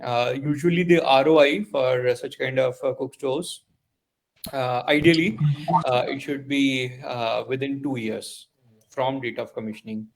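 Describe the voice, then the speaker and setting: Halting Indian man, creaky voice. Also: mid-range voice, fairly even intonation, slight background noise, poor audio. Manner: halting, hesitant delivery. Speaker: company executive answering investor questions. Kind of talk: earnings call answers.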